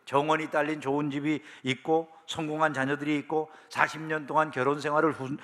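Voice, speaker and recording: Man, pastor, sermon, rhetorical questions, slightly high pitch, long church echo. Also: a bit bright. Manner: conversational preaching with rhetorical questions. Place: church sanctuary.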